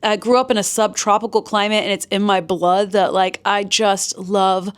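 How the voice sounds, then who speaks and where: A woman's voice: mid-range voice, level tone, normal speed, clear, resonant tone. A woman from Miami, a theme park vlogger, chatting enthusiastically through a casual year-in-review in her home office. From Miami, United States. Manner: chatty and enthusiastic, with gushing asides. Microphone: sit-down home office recording.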